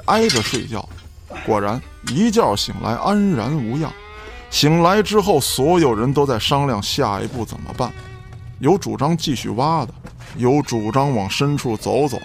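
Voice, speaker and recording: A man's voice: mid-range voice, expressive, moderate pace, soft background music. A man narrating an audio drama from a script in a dramatic storytelling style.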